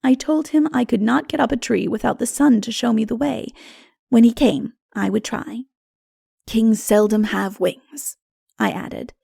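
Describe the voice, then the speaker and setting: Very creaky-voiced woman narrating dark fantasy. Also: on the high side, moderate pace, no room sound, clean studio sound. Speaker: audiobook narrator.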